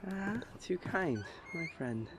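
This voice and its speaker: Man acting a creaky, higher-voiced ride attendant. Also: very animated, takes it slowly, heavy background noise, heavily acted. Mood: polite, obliging. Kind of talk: audio roleplay acting.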